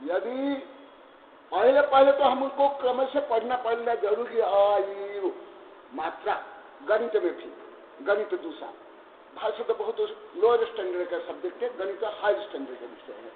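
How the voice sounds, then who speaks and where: A man teaching a scripture class, chanting Sanskrit commentary slowly and then explaining in quick conversational speech with questions to his listeners. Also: high-pitched, lively intonation, a little hiss or hum. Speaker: Jain monk teaching scripture. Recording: echoey, tinny lo-fi hall recording.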